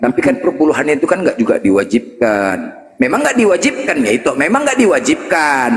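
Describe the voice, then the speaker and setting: A man's voice: high-pitched, a bit bright, slight background noise. A man telling a story in a debate chat, teasing, laughing and mimicking the people he quotes. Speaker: Muslim apologist debater. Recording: echoey room with long reverb.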